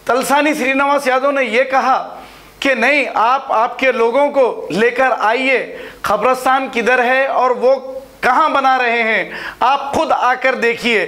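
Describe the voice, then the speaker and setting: A man's voice: very high-pitched, bright, forceful tone. A man presenting a news report in a scripted style. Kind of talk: scripted news introduction and appeal to viewers.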